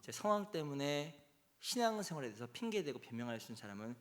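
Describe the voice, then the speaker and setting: A woman preaching a sermon in short phrases, pausing for an interpreter and rising to loud, emphatic exhortation. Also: low-pitched, big pitch swings. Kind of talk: sermon in Korean with live interpretation. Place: church sanctuary.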